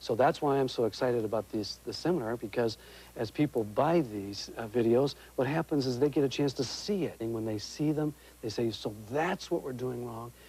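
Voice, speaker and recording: In an ordinary speaking voice, a man speaks at a moderate pace and medium pitch with ordinary pitch variation. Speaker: marriage and family counselor. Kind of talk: interview answer.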